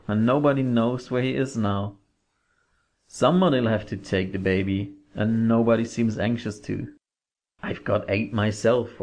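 A woman's voice: a bass voice, a little mellow, pitched below the performer's own voice. A woman voicing a plain-spoken country man.

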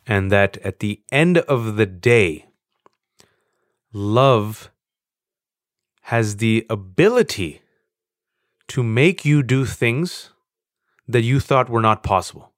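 A man in his forties talking candidly as an interview guest, earnest and animated, with self-mocking storytelling. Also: lowish voice, takes it slowly, pauses often, no echo, clean studio sound. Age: 40s. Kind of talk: candid conversation.

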